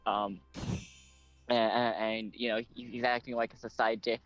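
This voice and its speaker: A man's voice: fairly low pitch, little pitch movement, normal speed. Brief: stammering male player, dull lo-fi mic, game music faint behind. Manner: hesitant, stammering, self-mocking. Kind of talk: casual tabletop game play.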